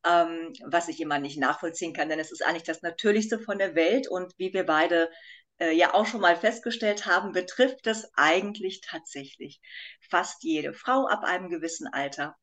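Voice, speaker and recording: A woman's voice: fairly low pitch, normal speed, fairly bright tone. A woman hosting a podcast and working as a Pilates trainer, speaking in an enthusiastic, emphatic way and laughing easily. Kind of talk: casual interview chat.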